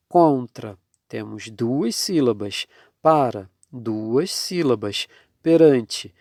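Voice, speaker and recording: A man teaching a grammar lesson, speaking deliberately and repeating the key terms for his students. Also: medium pitch, a little mellow, dry recording, studio quality.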